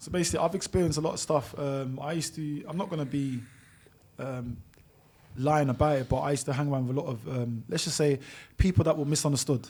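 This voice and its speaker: Speaking very fast with a London accent, a man has a fairly high pitch and ordinary pitch variation. His tone is dark and mellow, and somewhat breathy. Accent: London English, multicultural London English. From East London, England. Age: 20s. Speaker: travel content creator. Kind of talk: interview.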